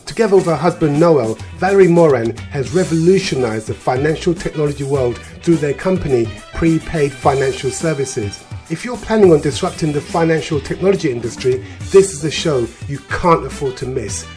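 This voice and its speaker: A man hosting a radio interview show, reading polished introductions and asking questions in a measured way. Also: on the high side, expressive, a little mellow, faint music behind.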